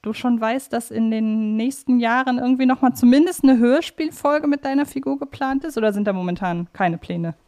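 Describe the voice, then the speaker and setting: A woman's voice: on the high side, brisk, hardly any pauses, darkish tone. A woman co-hosting a casual, conversational podcast interview.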